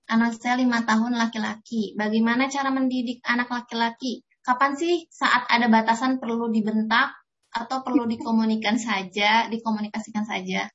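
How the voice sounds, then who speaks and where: Brief: woman moderator, higher voice, reads questions plainly, dull lo-fi audio. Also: fairly even intonation, normal speed, fairly bright tone. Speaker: moderator reading audience questions. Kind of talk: reading questions aloud.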